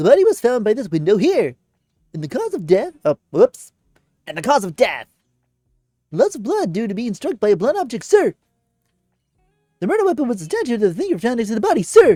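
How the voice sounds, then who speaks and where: Putting on a character voice, a man speaks at an extremely high pitch with very wide pitch swings, big swings in loudness, a fairly quick pace and long, frequent pauses, the sound dry and close with no echo. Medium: game stream. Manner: deferential, ends sentences with sir.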